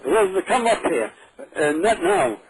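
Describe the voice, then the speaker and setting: A man's voice: high-pitched, very animated, slow pace. A man in his eighties on the phone, confused, repeating his questions and swearing now and then. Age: 80s. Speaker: prank call recipient. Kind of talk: phone conversation. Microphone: telephone. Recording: noisy phone line.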